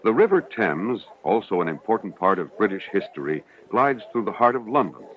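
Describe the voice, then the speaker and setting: A man reading scripted narration for an educational film in a measured, formal, explanatory way. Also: on the low side, big pitch swings. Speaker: documentary narrator. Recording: dull, hissy 1970s educational film soundtrack.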